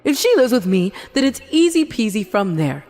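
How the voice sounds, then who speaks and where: A woman's voice: a little high, very animated, moderate pace, darkish tone, no room sound, studio quality. A woman voicing a greedy, manipulative middle-aged mother in a comic dub, with a theatrical, wheedling way of talking. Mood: gloating. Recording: voice over background music.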